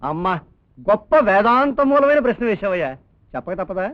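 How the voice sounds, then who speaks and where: A man in a film scene, teasing and full of wordplay, giving lines in quick comic dialogue. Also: high voice, lively intonation, no room sound. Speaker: scheming elderly guardian in a comedy film. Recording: dull lo-fi film audio with music.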